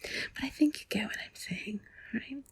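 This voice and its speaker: A woman whispering softly and intimately in a breathy, husky voice, close to the mic, confiding in a rambling ASMR monologue. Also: a little high, measured pace. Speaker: intimate audio host.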